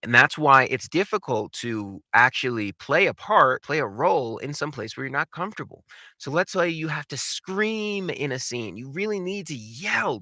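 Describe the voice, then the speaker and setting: Animated, bright-voiced man coaching. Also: medium pitch, no echo, clean studio sound. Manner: emphatic, theatrical, repeats key words for stress; conversational, informal asides. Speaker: voice acting coach. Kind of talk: instructional talk with numbered tips.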